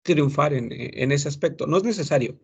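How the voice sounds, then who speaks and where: A man lecturing a class in a gravelly voice that sits a little high for a man. He explains slowly and says his example phrases aloud more than once. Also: lo-fi sound. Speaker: French teacher for gastronomy students.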